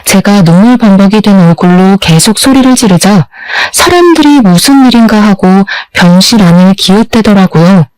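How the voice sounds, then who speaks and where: A woman's voice: medium pitch, darkish tone, no room sound, poor audio. A woman narrating a first-person story in a confiding, emotional way.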